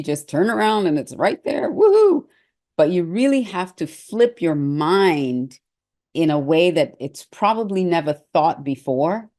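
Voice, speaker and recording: A woman's voice: low-pitched, a little mellow. A middle-aged woman giving an earnest, conversational motivational talk as a success coach, with hesitant restarts.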